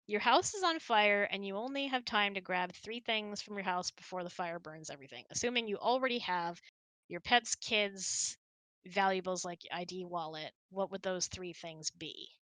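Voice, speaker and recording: Chatting through a close mic on online voice chat, this woman answers her audience's questions at a casual hangout, thinking aloud and poking fun at herself. Her voice is mid-range and a bit bright, at a moderate pace. There's no room sound, though the recording is rough.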